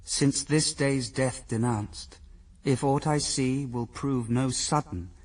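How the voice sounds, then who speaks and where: An actor playing an anguished but reasoning husband, speaking formal verse gravely in a classical radio drama. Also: male voice, mid-range voice, slow, a little mellow, distant mic. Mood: tender sorrow. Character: Adam, the first man, anguished yet reasoning husband.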